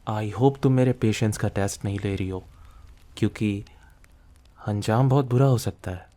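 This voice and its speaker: A possessive mafia boss acted by a man speaks intimately in a low, dark, relaxed male voice. He is controlling and teasing, with a quiet threat under his words, in the close style of an ASMR roleplay. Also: normal speed, lightly acted. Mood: stern warning.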